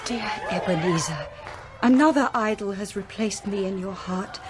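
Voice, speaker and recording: A woman playing a tender, quietly resolute young fiancée in a period radio drama. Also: mid-range voice, moderate pace, a crowd in the background, noisy background, close to an everyday voice. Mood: sorrowful, resolute.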